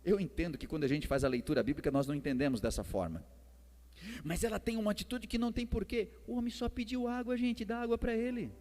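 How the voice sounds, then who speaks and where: A man's voice: sits high, fast, a little mellow. A man with a Brazilian accent preaching a sermon in a conversational way, retelling a Bible story and repeating phrases for emphasis. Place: church hall during a service. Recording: echoey hall reverb with music behind.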